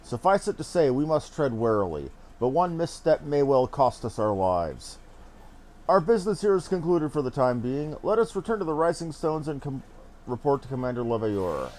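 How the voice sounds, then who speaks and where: A man voicing a grave, wary military captain from a fantasy game, formal and measured in his speech. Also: medium pitch, big pitch swings, darkish tone, close to an everyday voice. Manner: formal, measured, archaic phrasing.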